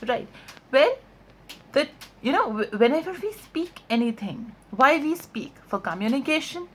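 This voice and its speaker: A woman's voice: high-pitched, very animated, a little hiss or hum. A woman who is a non-native English speaker teaches an explanatory video lesson as a coach, stressing and stretching key words and often checking in with short tags. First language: not English. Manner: emphatic, drawn-out key words, frequent check-in tags like "right?". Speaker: online voice and accent coach.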